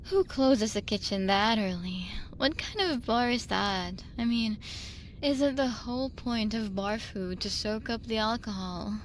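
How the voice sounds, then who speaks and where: A woman's voice: on the high side, measured pace, a little hiss or hum, close to an everyday voice. A woman playing a drunk, lonely young woman in an ASMR roleplay, rambling and giggling her way through a late-night voicemail with tipsy hesitations. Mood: wry, rambling.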